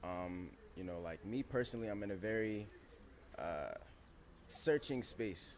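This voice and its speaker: A man with an American accent and a fairly low pitch, speaking at a fairly slow pace with long, frequent pauses and ordinary pitch variation. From United States. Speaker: audience member asking a question, DJ. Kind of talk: audience question at panel.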